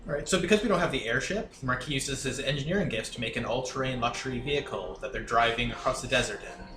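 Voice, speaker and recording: A man's voice: medium pitch, quick pace. A man playing a tabletop game, casually describing what his character does. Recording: echoey room under loud guitar music.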